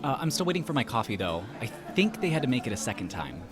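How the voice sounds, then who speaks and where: A man playing an expressive, chatty young barista and worrier in a naturalistic audio drama. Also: medium pitch, quick pace, over music, close to an everyday voice. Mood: casual.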